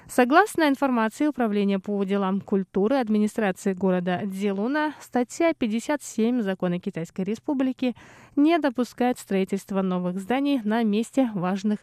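A woman's voice: medium pitch, dry recording. Woman reading a radio feature, dry studio sound. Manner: measured, even newsreader delivery. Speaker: radio program host. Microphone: studio microphone.

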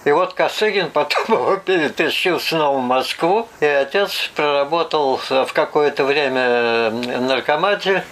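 An older man from Russia tells his life story in a rough, gravelly voice that sits a little high for a man. He recalls the past unhurriedly, stopping often to hesitate and find the next detail. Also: fairly bright tone, low-quality recording. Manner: unhurried recollection with hesitations and "вот" asides. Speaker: interviewee. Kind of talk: oral history reminiscence.

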